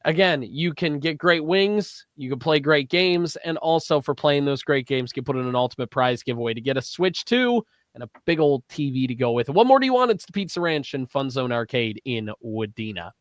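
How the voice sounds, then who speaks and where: A man's voice: medium pitch, moderate pace, few pauses, no room sound. A man co-hosting a local morning sports radio show, teasing his partner in casual banter. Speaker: co-host. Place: radio studio.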